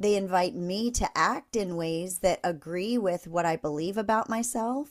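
Recorded very cleanly against a silent background, a woman speaks at a medium pitch in a plain, everyday voice. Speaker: podcast host. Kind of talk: interview conversation.

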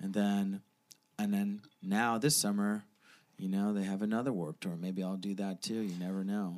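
A man speaks with an American accent in an unremarkable speaking voice, fairly low in pitch. His pace is moderate and his intonation fairly even. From New Jersey / New York area. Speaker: rapper. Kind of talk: casual chat. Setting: host's basement.

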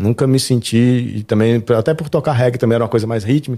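Here a man talks at a fairly quick pace. His voice has a medium pitch and a dark, mellow tone. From Minas Gerais, Brazil (Juiz de Fora). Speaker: instrument maker and entrepreneur. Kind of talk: casual interview.

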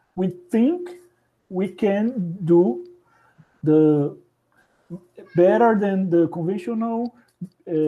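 With a dark, mellow tone, a man speaks at a very slow pace and a high pitch, with ordinary pitch variation. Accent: Brazilian. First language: Portuguese. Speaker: engineering professor. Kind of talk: interview.

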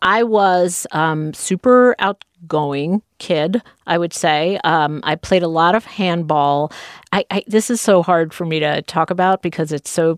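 A woman with a New York accent and a fairly low pitch, ordinary pitch variation and a fairly slow pace, in a dry, close sound with no echo. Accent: New York American. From New York City (Queens). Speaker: radio host and journalist. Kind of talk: interview.

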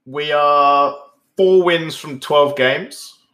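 A man's fairly high voice with an English accent, at a very slow pace. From southern England. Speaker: football fan. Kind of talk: casual chat.

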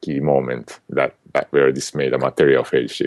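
A man with a Japanese accent speaks at a moderate pace with vocal fry. The sound is dry and close, with no echo. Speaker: software developer and CTO. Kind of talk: casual tech interview. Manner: halting, hesitant with fillers.

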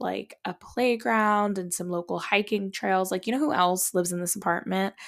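This is a woman speaking at a medium pitch. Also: very clean recording, silent background. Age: 20s. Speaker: podcast host. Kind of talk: casual monologue. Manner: flat, weary delivery.

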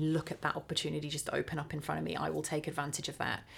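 This very clean recording has a silent background. A woman with a very deep, low pitch speaks in a southern English accent. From West Country of England. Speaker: orchestra founder and violist. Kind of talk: interview conversation.

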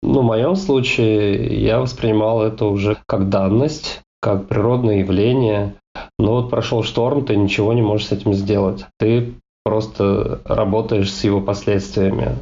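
A man with an unremarkable speaking voice talks at a fairly slow pace and fairly low pitch, with ordinary pitch variation and very even loudness. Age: 40s. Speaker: tattoo artist and father. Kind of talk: recorded personal testimony.

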